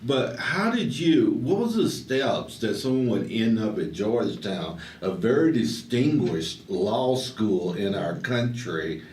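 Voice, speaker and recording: A man's voice: lowish voice, animated, takes it slowly, few pauses, a little mellow, far from the mic. Jovial male host, echoey and off-mic. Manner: jovial, joking, asks probing questions. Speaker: podcast co-host. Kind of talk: casual interview chat. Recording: echoey room, off-mic, faint noise.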